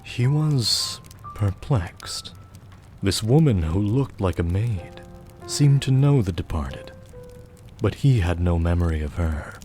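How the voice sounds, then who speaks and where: A man narrating a scripted audio drama in a measured storytelling manner. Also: low-pitched, expressive, darkish tone, soft background music. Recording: faint background noise.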